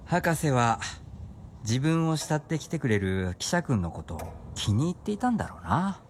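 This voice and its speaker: 妻に思わせぶりに答える気楽な作家の夫を演じる男性俳優。ラジオドラマの芝居。. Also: male voice, medium pitch, moderate pace, a little hiss or hum, close to an everyday voice. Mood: playful. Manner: relaxed, teasing, evasive. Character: easygoing novelist husband, coy. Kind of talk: radio drama acting.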